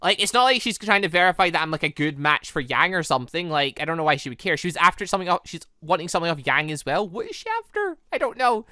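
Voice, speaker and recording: Bright, animated gaming commentator. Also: mid-range voice, fast talker, hardly any pauses, no echo, studio quality. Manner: rambling, excitable, exclaiming. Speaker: gaming video host. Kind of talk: casual game playthrough commentary, reading dialogue aloud.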